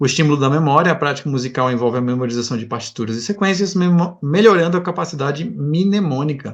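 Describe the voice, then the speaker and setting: With a northeastern Brazilian accent, a man talks at a very fast pace in a fairly high pitch and lively intonation, and audible room echo surrounds him. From Brazilian Northeast. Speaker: lecturer, musician and civil servant. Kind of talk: lecture. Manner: hesitant, many fillers and repetitions.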